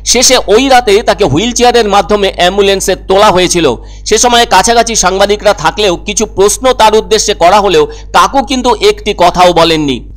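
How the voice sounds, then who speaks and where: High-pitched male news narrator.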